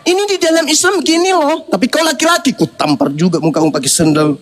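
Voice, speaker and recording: A man's voice: very high-pitched, animated, fast talker, a bit bright, slight background noise. A man, hosting a heated livestream debate, mocking and scolding with bursts of laughter. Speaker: debate host.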